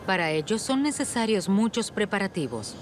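A woman's voice: mid-range voice, sing-song, normal speed. A woman reading scripted narration for a nature documentary. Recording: music behind the voice. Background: documentary music.

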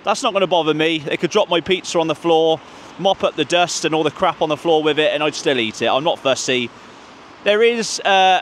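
A man's voice: a little high, a bit bright. A man in his thirties narrates a walking vlog around a football ground, talking chattily to his viewers as "guys". He speaks into a handheld mic outdoors on city streets. Street traffic passes in the background. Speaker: football travel vlogger. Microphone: handheld mic, camera at arm's length.

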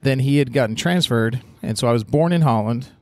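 A man's voice: mid-range voice, fairly quick, dry recording. Middle-aged man, raised in England, chatty podcast guest, dry close sound. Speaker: guest, real estate agent. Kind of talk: podcast interview.

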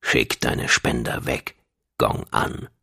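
A man voicing a calm, coldly resolute alien warlord in an audiobook, threateningly deep and hushed, with a measured, commanding manner. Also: creaky, slightly rough, heavily acted. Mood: quiet threat. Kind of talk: audiobook character voice.

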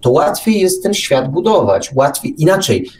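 Here the same book-loving radio host sounds fairly high and very animated, talking at a normal speed with a slightly mellow quality. His unscripted talk wanders off on tangents with frequent restarts, and the distant microphone catches a little background noise.

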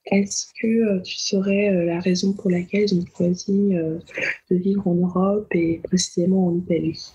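A woman hosts an interview podcast with a dark, mellow, very breathy voice. She asks her questions slowly, filling pauses with hesitant ums. The sound is a little dull. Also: fairly low pitch, little pitch movement. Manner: slow, hesitant, many fillers. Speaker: podcast host. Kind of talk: interviewing a guest.

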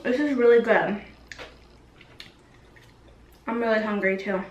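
A woman's voice: mid-range voice, takes it slowly, distant mic, lo-fi sound, a little hiss or hum. A young woman chatting casually in a mukbang eating vlog, filling her talk with ums and likes while she eats. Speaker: vlogger. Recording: echoey room, voice off-mic.

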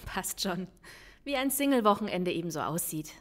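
A woman's voice: lowish voice, expressive, moderate pace, a bit bright. An actress playing a reassuring, informal female police lieutenant in a crime audio drama. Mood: conversational.

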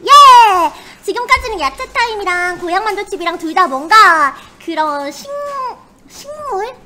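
A woman hosts a casual snack review with a cutesy, very high voice. Her delivery is polite and animated, swinging freely in pitch, over faint background noise. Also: a little slow. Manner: polite, perky, refers to herself by name. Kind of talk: casual livestream commentary.

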